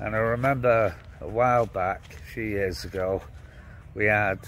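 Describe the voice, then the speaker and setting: With a British accent, a man talks at a fairly slow pace in a fairly low voice with ordinary pitch variation. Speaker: vlogger and farmer. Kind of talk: casual vlog talk to camera.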